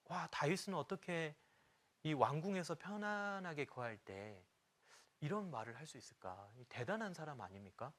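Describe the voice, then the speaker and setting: A man's voice: fairly high pitch, animated, normal speed, a bit bright. A middle-aged man preaching a sermon to church teachers, reading scripture aloud and telling personal stories with humor. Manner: sings a hymn line briefly. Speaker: pastor.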